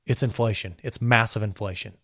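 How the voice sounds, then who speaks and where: A man's voice: fairly even intonation, a little fast, a bit bright, husky, no echo, clean studio sound. Fired-up man ranting on his podcast. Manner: impassioned ranting, pitch climbing when worked up. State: slightly hoarse from a cold. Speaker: podcast host. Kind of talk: solo podcast commentary.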